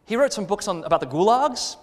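A man delivers a sermon with a high, animated voice that swings widely in pitch. He speaks conversationally, pausing to ask the congregation questions. The sound carries a long church-hall reverb. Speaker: guest preacher.

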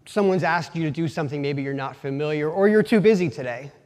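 A man's voice: on the high side, a little mellow. Folksy Pennsylvania Dutch man in a church. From Pennsylvania, USA. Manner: folksy, self-deprecating, halting restarts. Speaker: lay preacher. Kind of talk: casual sermon with personal stories. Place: church sanctuary. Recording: long church reverb.

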